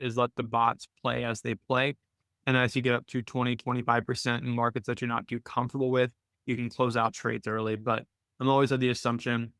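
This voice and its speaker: A man hosting a weekly live video call, chatting loosely and working through his points out loud, often tagging "right?" onto them. His voice is smooth and clear at an average pitch, and the sound is dry and close to the mic. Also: dry recording. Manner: conversational, thinks aloud with restarts and "right?" tags. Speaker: host of a weekly trading call. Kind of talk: casual live Q&A explanation.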